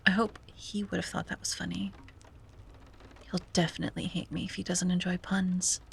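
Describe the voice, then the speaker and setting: A woman playing a wistful, self-doubting young sea-witch in an ASMR roleplay, speaking softly and breathily with hesitant musing and frequent drops to a whisper. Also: lowish voice, little pitch movement, moderate pace, a little hiss or hum. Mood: playfully exasperated. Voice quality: breathy, often dropping to a whisper. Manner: hesitant, musing, sighing, gently playful. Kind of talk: ASMR roleplay, soft intimate monologue.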